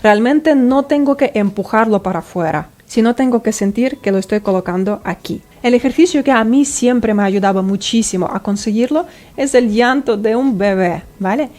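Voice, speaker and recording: A woman's voice: a little high, moderate pace, hardly any pauses, darkish tone. A woman singing teacher explaining vocal technique step by step and checking in with the listener.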